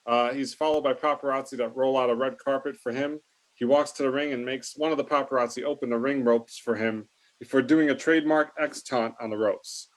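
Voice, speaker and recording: A man's voice: medium pitch, fairly even intonation, fairly quick, rough recording. A man reading scripted wrestling stage directions in an amateur reading, with small stumbles. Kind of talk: scripted narration with fillers and stumbles.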